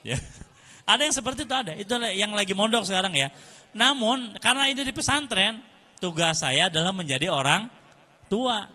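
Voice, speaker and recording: Man, bright forceful tone, somewhat high voice, lively storytelling preacher. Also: a little fast. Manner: lively storytelling, repeats phrases for emphasis. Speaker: Islamic teacher and preacher. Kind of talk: lecture to parents.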